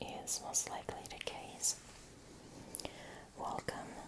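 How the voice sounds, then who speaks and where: A woman whispering, with noticeable background noise. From Italy. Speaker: ASMR creator. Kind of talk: ASMR whispered talk to camera. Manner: soft-spoken, whispering.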